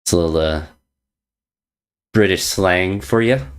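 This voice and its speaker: Deep-voiced man teasing his chat. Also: a little slow, smooth. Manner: playful teasing, jokey slang, repeats phrases. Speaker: chess streamer. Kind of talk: casual chat reading viewer messages.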